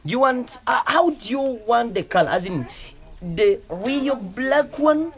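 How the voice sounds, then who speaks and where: Animated and fairly bright, his very high-pitched voice keeps a measured pace. The man, who has a Ugandan accent, hosts a casual film-set interview, hesitant and restarting often, moving into Luganda commentary against background crowd chatter.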